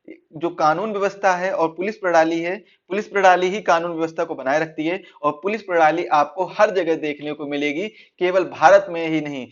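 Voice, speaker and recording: A man giving an explanatory online exam-prep lecture, repeating and rephrasing his points as he goes. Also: sits high. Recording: dull, lo-fi band-limited audio.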